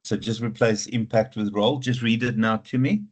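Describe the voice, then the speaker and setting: In a casual online session, a lecturer with a South African Afrikaans accent gives students playful, off-the-cuff feedback on research proposals, thinking aloud as he goes. His voice is fairly low and steady in tone, delivered at a moderate pace.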